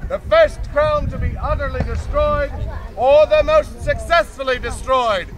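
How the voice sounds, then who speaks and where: A man's voice: very high-pitched, measured pace. A man playing a pompous joust herald, declaiming grandly and formally in olde renaissance fair speech. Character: pompous male herald announcing a knights' joust. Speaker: joust announcer. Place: outdoor fair arena. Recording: outdoor crowd noise.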